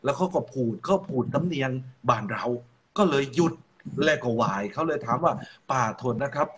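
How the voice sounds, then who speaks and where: A man's voice: medium pitch, lively intonation, a little fast, fairly bright tone, a little hiss or hum. A man with a Rayong accent, chatting on a radio show and telling stories, often repeating words as he gets going. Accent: Rayong Thai. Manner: storytelling, repeats words when starting. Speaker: co-host. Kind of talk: casual radio chat.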